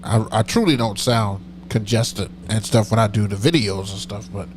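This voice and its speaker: A man's voice: on the low side, normal speed, slight background noise. A middle-aged man with a nasal voice, hosting a live stream as a DJ, chatting casually and rambling as he answers comments. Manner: rambling, self-correcting, chatty.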